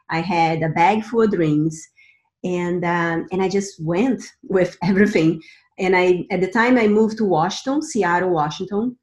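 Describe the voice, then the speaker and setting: Soft-spoken woman from Brazil, echoey room. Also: on the low side. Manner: earnest, many restarts and repeated words. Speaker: guest, Akashic Records teacher. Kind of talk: interview, personal story.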